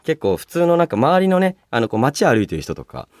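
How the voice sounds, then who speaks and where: A man hosting a casual solo radio show, chatting and reading out listener mail in a polite but chatty, animated way. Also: on the high side, fairly quick, no room sound, clean studio sound. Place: radio studio, dry sound.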